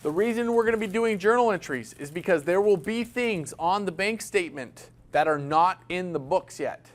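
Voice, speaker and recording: An accounting instructor with a high voice and lively intonation speaks at a moderate pace during a classroom lecture. He keeps things chatty and casual, joking and asking his students questions.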